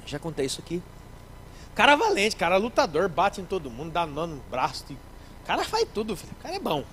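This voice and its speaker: A man, a pastor preaching a sermon in church, lively, acting out little scenes and speaking straight to the congregation. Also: sits high, fairly quick, a little hiss or hum, rough recording. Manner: animated, acts out scenes, addresses the congregation directly.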